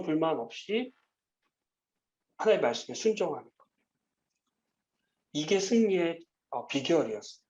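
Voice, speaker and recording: A man teaching a Bible lesson to children, gently asking them questions and often pausing on "uh.". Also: a little high, lo-fi sound. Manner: gentle, asks the children questions, frequent "uh" fillers. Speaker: Sunday school teacher.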